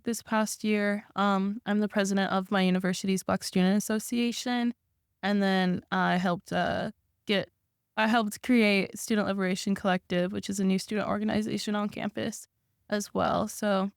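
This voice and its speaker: A woman's voice: medium pitch, creaky, clear, resonant tone, no room sound, studio quality. A young woman raised in the American Northwest, a student organizer, speaking casually with many fillers. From Boise, Idaho. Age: young adult. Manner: informal, filler-heavy, friendly. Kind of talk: casual interview chat.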